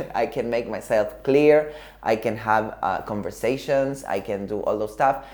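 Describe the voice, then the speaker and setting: With a Spanish-speaking accent, a man speaks at a fairly slow pace in a medium pitch with ordinary pitch variation. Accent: Spanish-speaker's accent in English. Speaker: youtuber. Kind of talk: casual vlog talk. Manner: halting, repeating words.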